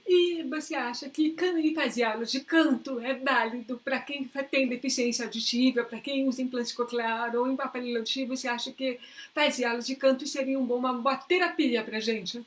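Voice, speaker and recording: A Brazilian woman with a high-pitched voice hosts a live interview over a video call. She talks casually and builds long questions for her guest. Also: steady tone, fairly quick. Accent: Brazilian Portuguese. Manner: conversational, asks long framed questions. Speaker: host.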